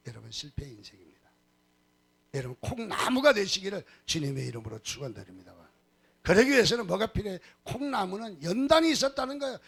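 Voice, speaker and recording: A male pastor preaching in a church, his fairly high voice rough and gravelly with a husky edge. He exhorts his listeners, drops into storytelling asides, then climbs to emphatic peaks. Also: fairly bright tone. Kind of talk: sermon. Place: church sanctuary.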